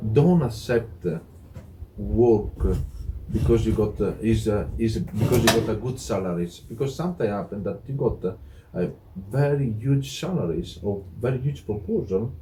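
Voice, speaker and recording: A middle-aged Italian man with an Italian accent, a hotel director talking as an interview guest, halting with many fillers and restarts. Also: lowish voice, lively intonation, warm tone, a little hiss or hum, rough recording. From Italy. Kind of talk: casual interview chat.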